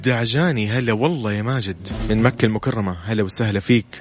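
Fast-talking Saudi Hejazi male radio host. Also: lowish voice. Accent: Saudi Hejazi Arabic. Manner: chatty, effusive, repeats praise words. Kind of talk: morning call-in radio show. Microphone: studio microphone.

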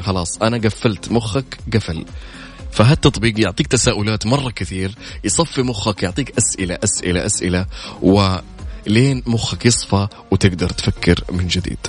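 Over clear background music, a Saudi man presents a casual morning radio show. His voice is on the low side, and he talks in a chatty way with the odd English phrase mixed in. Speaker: radio host. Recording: music behind the voice.

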